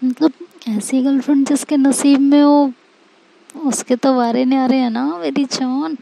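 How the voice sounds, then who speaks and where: A woman's voice: high voice, steady tone, measured pace, vocal fry, mellow, no echo, poor audio. A woman voicing a playful young woman who teases and coaxes her upset wife in a pleading, sing-song way. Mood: coaxing.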